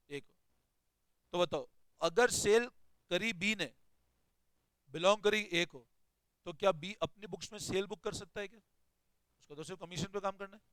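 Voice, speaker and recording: A man's voice: sits high, pushed and bright, clean tone, dry recording, rough recording. A man teaching an accounting class, explaining step by step and questioning his students as he goes. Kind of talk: classroom lecture.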